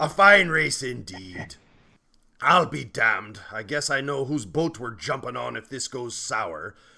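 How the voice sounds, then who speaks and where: A man uses a put-on character voice at a medium pitch. He delivers it at a fairly slow pace. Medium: actual play. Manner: brisk, commanding.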